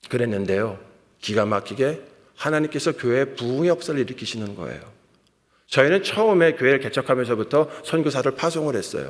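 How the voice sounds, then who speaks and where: On a very clean recording with a silent background, a man with a plain, everyday voice speaks at a medium pitch, a fairly quick pace and with lively intonation. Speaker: pastor. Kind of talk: sermon. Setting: church revival service.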